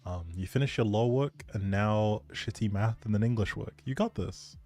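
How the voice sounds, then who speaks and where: A man's voice: lowish voice, moderate pace, darkish tone, soft background music. A man chatting casually to viewers on a game livestream, musing aloud as he plays. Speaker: game streamer. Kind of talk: casual livestream chat while playing a life-simulation game.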